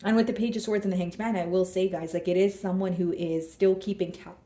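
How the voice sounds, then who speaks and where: A woman with a hoarse, scratchy throat reads tarot cards for her viewers, thinking aloud as each card turns up. Her voice sits fairly low and sounds mellow and soft-edged. The sound is roomy, with noticeable echo around her. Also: steady tone, quick pace. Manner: thinks aloud while drawing cards, speaking straight to viewers. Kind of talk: casual tarot reading to camera.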